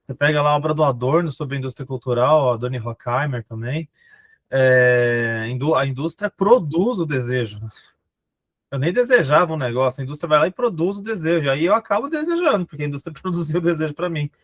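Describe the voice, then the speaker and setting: Brazilian guy musing out loud in a study chat, slightly high voice, dry close sound. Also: animated, a little fast, no echo. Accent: Brazilian Portuguese. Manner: hesitant, thinking aloud, frequent "né". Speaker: discussion participant. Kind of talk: casual philosophy discussion.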